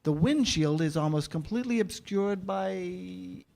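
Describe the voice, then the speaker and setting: Higher-pitched male stage-direction narrator. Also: unhurried, vocal fry, darkish tone. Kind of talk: scripted screenplay narration, staged reading. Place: live staged reading in a church.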